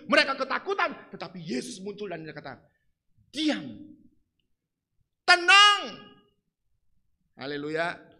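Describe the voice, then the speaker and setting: High, bright-voiced preacher man. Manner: swings from soft to shouting. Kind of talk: sermon. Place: church.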